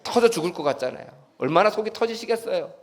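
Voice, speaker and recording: A man's voice: high voice, expressive, fast talker. A man preaching a sermon as pastor. He asks the congregation questions and acts out short bits of dialogue.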